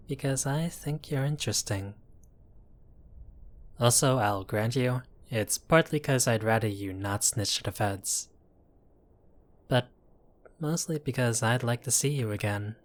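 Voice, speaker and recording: A man's voice: mid-range voice, natural voice. A man playing an apologetic, charming mafia boss in an audio roleplay, courteous and wry with a flirtatious streak. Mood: flirtatious, admiring. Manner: unhurried, flirtatious, wry, addressing listener as doll. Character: apologetic, charming mobster, exasperated yet courteous. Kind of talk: intimate audio roleplay acting.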